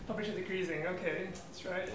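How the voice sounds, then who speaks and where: Talking fast in a high-pitched, steady voice, a Singaporean guest speaker in his thirties presents to an event-room audience, with a crowd audible behind him. He uses lots of ums and friendly asides. The hall sounds roomy, with faint noise.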